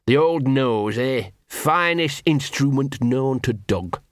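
A man's voice: medium pitch, lively intonation, slow pace, dry recording, studio quality. A man voicing a scruffy, nervous talking male dog who rambles on in broken grammar. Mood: rambling, nervous. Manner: rambling, ungrammatical, wheedling.

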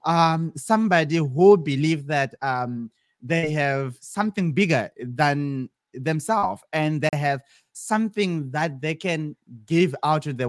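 A man's voice: fairly high pitch, dry recording. A man in his twenties from Zimbabwe, a guest in an interview, talking casually with many restarts and repeated words. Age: 20s. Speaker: podcast guest, business founder.

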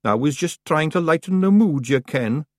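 A man's voice: a little high, animated, moderate pace, darkish tone, no room sound, studio quality, pitched above the performer's own voice, lightly acted. A man voicing a simple, guileless little fairy with a Scottish accent in a storybook. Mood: sheepish. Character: Daft Woolly, dim cheerful little Scottish fairy, tactless brother. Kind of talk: acted storybook dialogue.

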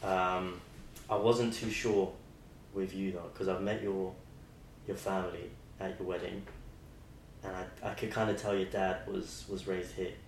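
A young man hosting a podcast, his voice very deep and held to a flat, narrow range. He rambles in a friendly way, restarting his sentences often. The recording has a roomy echo with faint noise behind it. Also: a little slow, vocal fry. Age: 20s. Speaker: podcast host. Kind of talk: casual interview chat.

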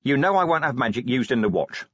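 A man's voice: medium pitch, lively intonation, quick pace, breathy edge, no echo, dull audio. A man voicing a weary, blunt male police commander who talks tersely and urgently in an audiobook. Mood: guarded, reluctant.

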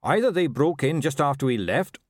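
A man's voice: fairly high pitch, expressive, a little fast, no room sound, pitched above the performer's own voice. A man playing an earnest, honest police captain in an audiobook, polite and deferential to a superior. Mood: apologetic, respectful. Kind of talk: audiobook character voice.

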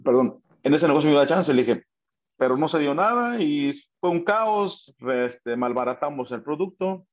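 A man's voice: on the high side, lively intonation, normal speed, muffled recording. A man with a Mexican accent telling his life story in a casual interview, acting out quoted dialogue, with many fillers and restarts.

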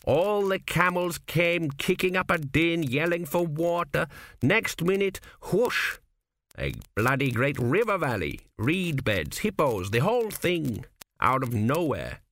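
A man voicing a cynical, crude old ancestor ghost, a former swindler, with a slow, gruff drawl in an audiobook. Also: on the high side, sing-song, fairly bright tone, no echo, pitched above the performer's own voice, heavily acted. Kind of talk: audiobook character voice.

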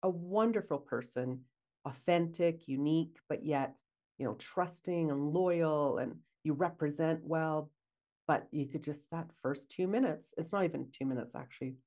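Low-voiced chatty woman. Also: normal speed, mellow. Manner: chatty, acts out client dialogue. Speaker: podcast co-host, esthetician. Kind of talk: casual podcast chat.

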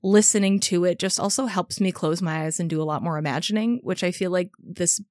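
A woman's voice: fairly low pitch, brisk, a little mellow, no echo, clean studio sound. A woman co-hosting a podcast, chatting casually and playfully with a friend in informal language. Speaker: podcast co-host. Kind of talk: casual chat between friends.

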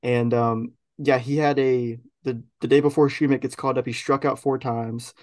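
Man, podcast host, casual sports talk, mid pitch, relaxed rambling delivery. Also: normal speed. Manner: relaxed, rambling with many fillers.

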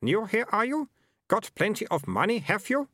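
Man putting on a high-voiced haggling townsman. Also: big pitch swings, moderate pace, fairly bright tone, no room sound, clean studio sound, heavily acted. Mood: pushy haggling. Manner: pushy, salesman-like questioning. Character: nosy, wheedling, haggling townsman.

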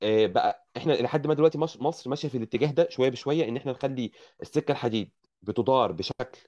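Egyptian guy talking super fast, lots of restarts, muffled lo-fi sound. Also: medium pitch, darkish tone. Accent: Egyptian Arabic. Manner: explains at length with many restarts. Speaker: guest engineer. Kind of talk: explanatory interview talk. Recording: muffled lo-fi audio.

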